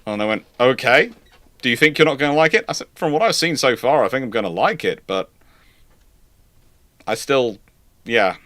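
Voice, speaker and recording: A man's voice: medium pitch, lively intonation, moderate pace, long pauses, a bit bright, dry recording. A man hosting a casual livestream as a historian, rambling and often repeating or rephrasing his words as he goes. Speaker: livestream host, naval historian. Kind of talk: casual chat, answering viewer questions.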